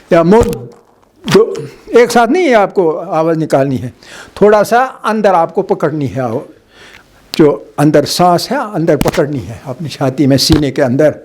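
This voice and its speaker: A middle-aged man teaches Quran recitation in a slightly high voice. He stretches syllables slowly to demonstrate each sound, then explains briskly. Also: a little mellow. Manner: slow drawn-out demonstration of syllables. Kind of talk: religious lesson on Quran recitation.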